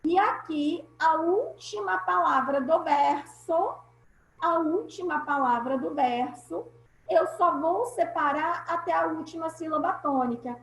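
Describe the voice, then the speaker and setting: A woman's voice: very high voice, a little slow, a little hiss or hum. A woman teacher with a Brazilian Portuguese accent, giving an online class over a video call, patient and explaining step by step with repeated key points. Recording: echoey room.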